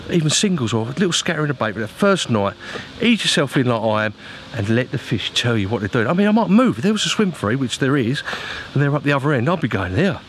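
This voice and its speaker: Bloke doing a fishing vlog, mid pitched voice, matey and informal, bit of music underneath. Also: male voice, fairly bright tone. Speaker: angler presenting a fishing vlog. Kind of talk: casual vlog chat to viewers with practical advice.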